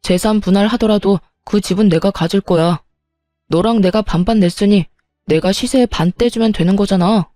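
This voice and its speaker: A woman's voice: mid-range voice, moderate pace, dark tone, no room sound, clean studio sound, soft background music, lightly acted. A woman voicing a self-righteous young husband who talks in a cold, dismissive, stubborn way.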